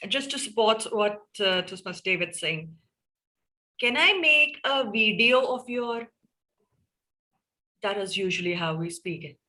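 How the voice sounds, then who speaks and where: Bright-voiced Indian woman moderator. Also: mid-range voice, animated, a little slow, long pauses. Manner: encouraging, prompts participants by name. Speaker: meeting moderator. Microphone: video call.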